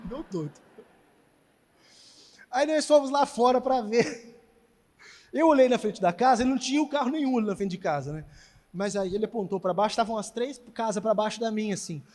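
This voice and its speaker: High-voiced pastor preaching in a hall. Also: male voice, normal speed, long pauses. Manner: animated storytelling, preaching emphatically. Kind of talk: sermon with testimony. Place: church hall. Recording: church hall reverb.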